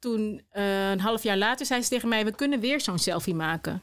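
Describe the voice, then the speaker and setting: A woman speaks in a fairly high voice with ordinary pitch variation against a quiet background. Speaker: podcast host. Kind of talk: conversational interview. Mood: earnest, personal. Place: studio. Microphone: studio mic.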